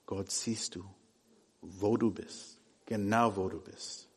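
Guy preaching slow in german, english is his first language, big echoey church sound. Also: on the low side, fairly even intonation, breathy edge. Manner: non-native German, swings from hushed to emphatic. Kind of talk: sermon.

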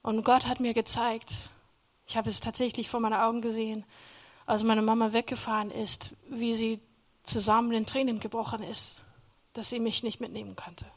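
High-voiced woman giving a faith testimony. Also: little pitch movement, moderate pace. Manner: earnest, storytelling, acts out her own past words; grows loud and emphatic in emotional passages.

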